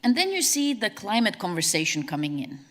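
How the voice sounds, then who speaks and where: A woman from Latvia, giving a brisk, conversational conference presentation as a CEO. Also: mid-range voice, very animated, fairly bright tone. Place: large conference hall. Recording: long hall reverb.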